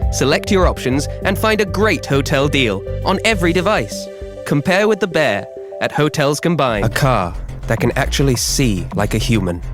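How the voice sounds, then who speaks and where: A man reading scripted narration as a professional voiceover artist, measured and clearly articulated. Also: medium pitch. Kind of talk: scripted narration for audiobook, documentary and adverts.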